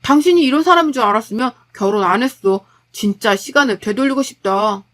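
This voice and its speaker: An exasperated young husband, voiced by a woman reading a story, his voice dropped low. He argues bluntly and complains at his family in short, pointed lines. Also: animated, a little fast. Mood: arguing. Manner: lowered, blunt arguing.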